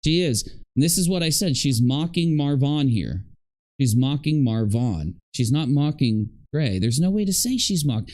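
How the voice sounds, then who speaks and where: A man's voice: mid-range voice, expressive, moderate pace, darkish tone. A man hosting a casual reaction stream, talking straight to his audience and posing hypothetical questions. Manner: talks directly to viewers, posing hypothetical questions. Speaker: commentary livestream host.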